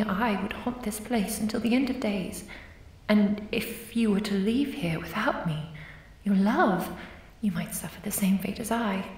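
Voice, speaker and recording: A woman voicing a lovesick female ghost in an audio roleplay, whispering softly and intimately as she turns quietly sinister. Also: medium pitch. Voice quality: soft breathy whisper. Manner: intimate, doting, calmly sinister. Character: lovesick female ghost, tender yet deadly. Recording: roomy, distant mic.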